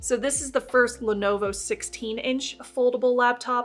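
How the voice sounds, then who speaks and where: A woman speaks in a high voice while faint music plays in the background. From US Midwest. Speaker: tech reviewer. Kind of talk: product review; sponsor read. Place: studio.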